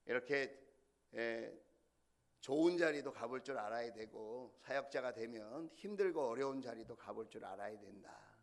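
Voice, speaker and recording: A man's voice: medium pitch, normal speed. A middle-aged male senior pastor delivering a sermon, telling stories with animation and putting questions to the congregation.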